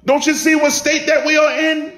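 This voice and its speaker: A man's voice: extremely high pitch, little pitch movement, normal speed, a bit bright. A man delivering an impassioned Muslim sermon, exhorting listeners with emphatic repetition and rhetorical questions. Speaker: Muslim preacher. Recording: echoey room.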